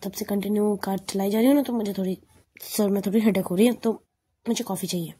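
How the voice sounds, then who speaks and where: Brief: woman voicing protective young woman, gently scolding, husky and mellow. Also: medium pitch, steady tone, quick pace. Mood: fussy. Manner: fussy, protective, breezy.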